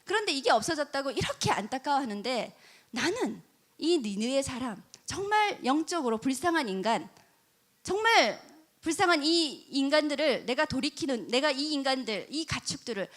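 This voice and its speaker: Brief: a woman voicing a fatherly God figure, coaxing, gently scolding, lively pitch. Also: moderate pace.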